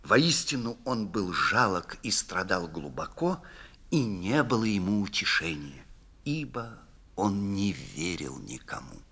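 A man's voice: sits low, measured pace, vocal fry, breathy edge. A man narrating a literary story in a declamatory, theatrical reading. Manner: expressive, declamatory.

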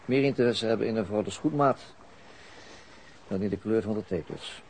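Actor as wry low-voiced male police detective. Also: normal speed, darkish tone, lightly acted. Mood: sardonic musing. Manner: dry, sardonic, hesitant when talking. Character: wry, self-mocking male police detective, awkward with women. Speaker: actor in a radio crime drama. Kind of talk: radio drama dialogue and ironic inner monologue. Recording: noisy radio play with background ambience.

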